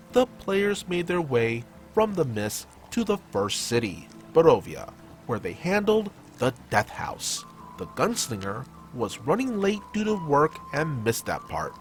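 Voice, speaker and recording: A man hosting a story-reading show, narrating scripted gaming tales in a theatrical, emphatic storytelling manner. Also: fairly high pitch. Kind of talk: dramatic scripted narration of online tabletop gaming stories.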